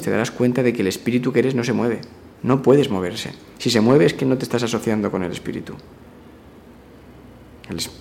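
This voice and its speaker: A man giving a calm spiritual talk, repeating affirmations in a slow, steady way. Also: on the low side, gravelly, slight background noise. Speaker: spiritual teacher.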